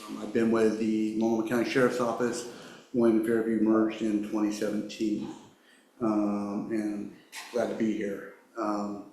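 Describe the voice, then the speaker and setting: Nasal deputy with a cold, echoey room. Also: male voice, on the low side, a little mellow. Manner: plain, halting with fillers. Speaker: sheriff's deputy presenting. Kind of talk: meeting presentation. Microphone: video call. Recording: echoey room, faint noise.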